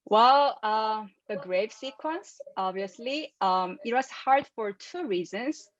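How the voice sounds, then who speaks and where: A woman's voice: a little high, expressive, takes it slowly, no echo. Woman, dry lo-fi call audio. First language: Korean. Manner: careful, earnest, soft laughs between points. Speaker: filmmaker guest. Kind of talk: interview answers. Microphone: video call.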